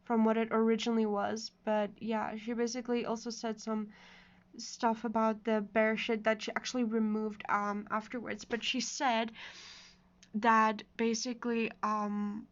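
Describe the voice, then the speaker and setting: Higher-voiced woman, even-toned casual vlogger. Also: unhurried. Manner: informal, rambling, explanatory. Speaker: video creator reading and answering comments. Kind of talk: casual commentary mixed with reading aloud. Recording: dull lo-fi microphone sound.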